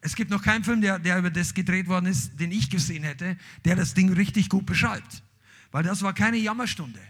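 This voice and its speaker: Guy preaching, high kinda husky voice, reads the bible bit then gets loud and pushy about it. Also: brisk. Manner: emphatic, rising to shouts on key lines. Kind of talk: sermon with Bible reading.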